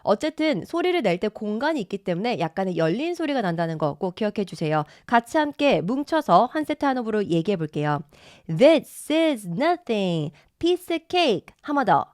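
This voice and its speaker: Female teacher, animated delivery, dry close sound; repeats phrases slowly, encouraging. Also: medium pitch, dry recording. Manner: encouraging, praises listeners often. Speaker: English teacher. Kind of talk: online English pronunciation lesson.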